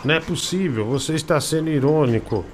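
A man's voice: fairly high pitch, fairly quick. A man hosting a casual comic live stream, mocking pictures and reading viewer messages aloud. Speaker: show host.

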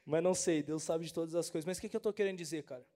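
A man's voice: a little high, very fast, dark tone. A young man from Brazil, a pastor giving a casual, slangy youth sermon and often asking the crowd if they understand.

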